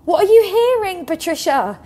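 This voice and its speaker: A woman's voice: very high voice, big pitch swings, moderate pace, mellow. A woman acting in an audio drama as a brittle, controlling, moth-obsessed scientist, speaking in a fussy, repetitive, coaxing way. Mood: insistent reassurance.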